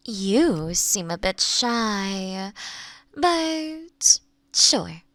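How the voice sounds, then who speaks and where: Girl doing a sweet playful witch for audio roleplay, gentle n teasy, takes her time, very close dry sound. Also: mid-range voice, big pitch swings, no room sound, exaggerated voice. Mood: playful, welcoming. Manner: gentle, unhurried, teasing, with soft chuckles. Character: kind, playful young forest witch living alone. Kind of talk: roleplay audio drama, spoken directly to the listener.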